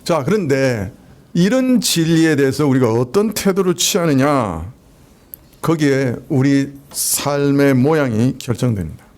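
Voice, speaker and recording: A man preaching a Sunday sermon as pastor, in a conversational way, letting phrase endings trail off quietly. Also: mid-range voice, expressive. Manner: conversational preaching with soft laughs and drawn-out endings. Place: church sanctuary.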